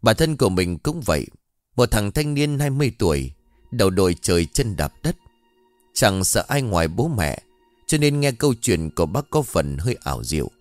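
A man narrating a scripted ghost story in an expressive storytelling manner. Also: on the low side, dry recording. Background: faint background music.

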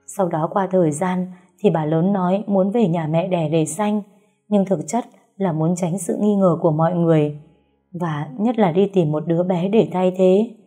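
A woman's voice: fairly low pitch, mellow, husky. A woman voicing a frightened female household servant who stammers as she confesses. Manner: trembling, stammering.

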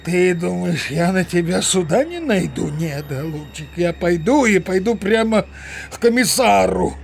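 Older male villager, slow, gravelly, muddled, cowardly bluster, hesitant muttering, theatrical audio drama. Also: sits high, lively intonation, faint music behind, heavily acted. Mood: indignant blustering. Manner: hesitant muttering to himself, full of interjections.

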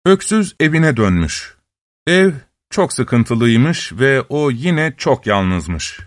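A man narrates a fairy tale in a measured, unhurried way. His voice sits mid-range, and the recording is dry and close, with no room around it. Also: mid-range voice, sing-song, dry recording. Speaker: storyteller.

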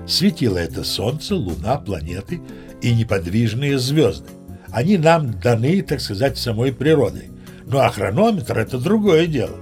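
An actor playing a seasoned old sea captain who narrates tall tales as a chatty, mock-dignified raconteur. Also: male voice, mid-range voice. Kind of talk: dramatized storytelling narration.

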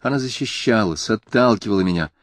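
Audiobook narrator: man with a lowish voice, measured first-person storytelling, dry close recording. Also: no echo.

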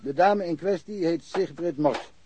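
A man's voice: a little high, unhurried, a little mellow, slight background noise, lightly acted. An actor playing a chatty, wry small-town policeman in a naturalistic radio crime drama, rambling along with dry humour. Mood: matter-of-fact. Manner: rambling, dryly humorous. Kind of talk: naturalistic radio play dialogue.

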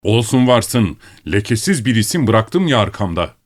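A man's voice: fairly low pitch, big pitch swings, moderate pace, pitched above the performer's own voice. A man voicing a pompous, indignant old dead general in an audiobook, talking in a stiff, blustering way. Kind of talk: audiobook character reading.

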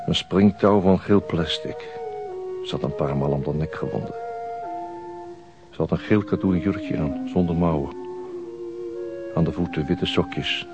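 An actor playing a methodical, sober police detective in a radio drama. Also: male voice, sits low, a little slow, pauses often, dull audio, music in the background. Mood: grave, sombre.

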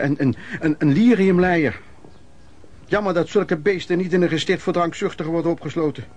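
An actor plays an embittered working-class man in a radio drama. His voice sits a little high. He tells of his wretched youth in plain, emotional, colloquial speech, often repeating himself. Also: slight background noise, lightly acted. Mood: contemptuous. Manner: colloquial, emotional storytelling with repetitions. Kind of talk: Dutch radio play narration, reminiscing monologue.

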